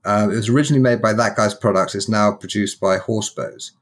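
A man's voice: on the low side, fairly even intonation, quick pace. A man, hosting a podcast in a chatty, humorous storytelling way. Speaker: podcast host. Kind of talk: casual podcast interview.

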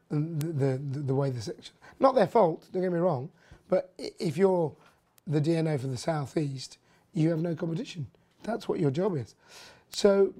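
A podcast host with a husky, hoarse voice, half gone, talking through energy news casually, rambling with lots of fillers and opinionated asides. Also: mid-range voice, dark tone. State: hoarse, losing voice.

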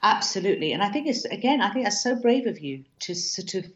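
A woman's voice: mid-range voice, sing-song, fast, a bit bright, highs cut off. A woman speaking as a diversity and inclusion consultant, emphatic, with frequent restarts and repeated words. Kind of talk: conversational interview talk.

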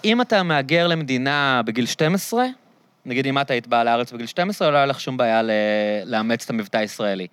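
A man's voice: mid-range voice, lively intonation, fairly bright tone, smooth, dry recording. An Israeli-accented man speaks in a mid-range voice, recorded dry. He interviews casually, jumping in with explanations and checking for agreement.

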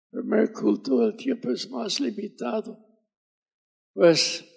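A man in his nineties from Mississippi with an American accent and English as his first language, preaching a fervent and deliberate sermon as a visiting preacher. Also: high voice, vocal fry, husky, poor audio. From Mississippi, USA. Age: 90s.

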